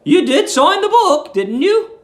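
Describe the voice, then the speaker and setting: A man's voice: very high voice, very animated, a little slow, voice pushed up, heavily acted. A man voicing a sweet, eerie elderly landlady with a polite, cooing, theatrical manner in a storybook reading. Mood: coy, gentle.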